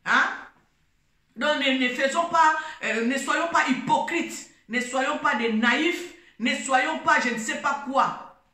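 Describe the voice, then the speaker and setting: Congolese woman gospel singer, fervent preachy talk, bright forceful voice, roomy echo. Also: high voice, slow. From Democratic Republic of the Congo. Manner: emphatic, preachy, repeats phrases, mixes French and Lingala. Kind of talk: impassioned religious exhortation.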